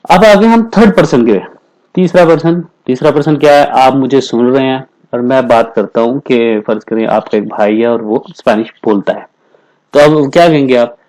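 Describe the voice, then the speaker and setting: A man teaching Spanish in a classroom-style lesson, explaining patiently, repeating phrases, and saying the Spanish examples slowly and carefully. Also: medium pitch, a little mellow, rough recording. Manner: explains patiently, repeats phrases, keeps asking "theek hai na".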